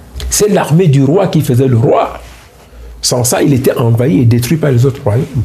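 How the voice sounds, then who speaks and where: A man's voice at very even loudness against noticeable background noise. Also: medium pitch for a man, lively intonation, moderate pace. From Africa. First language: Bangu (speaking French). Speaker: law professor. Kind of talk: interview.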